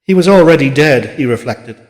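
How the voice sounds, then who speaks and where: A man reading literary fiction as an audiobook narrator, in a measured, dramatic manner. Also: a little high, expressive, darkish tone. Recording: long reverberant hall-like echo.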